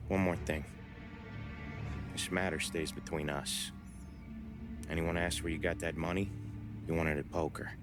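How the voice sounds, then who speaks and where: An actor playing a calm, menacing American mobster in a video game, speaking in a measured, quietly intimidating way. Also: male voice, rumbling low, music in the background. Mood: quietly warning. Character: calm, menacing middle-aged male mobster messenger.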